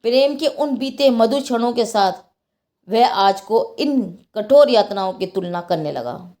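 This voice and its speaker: A woman narrating a scripted moral religious tale in an expressive, dramatic storytelling manner. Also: fairly high pitch, measured pace.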